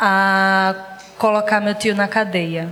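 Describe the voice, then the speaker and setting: Against noticeable background noise, a woman speaks at a very slow pace in a medium pitch. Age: 30s. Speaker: audience member. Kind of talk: testimony. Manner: halting.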